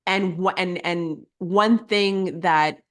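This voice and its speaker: Earnest young woman coach, lowish voice. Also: fairly even intonation, takes it slowly. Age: young adult. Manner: earnest, explanatory, uses fillers like "like". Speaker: guest, teen life coach. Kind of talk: interview answers.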